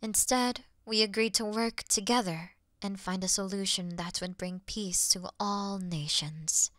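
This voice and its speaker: A woman playing a regal, calm demon queen in a fantasy audio roleplay, speaking in a measured, earnest, soft-spoken way. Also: medium pitch, no room sound, studio quality, natural voice. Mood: wistful, reflective. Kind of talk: scripted fantasy audio roleplay addressed to the listener.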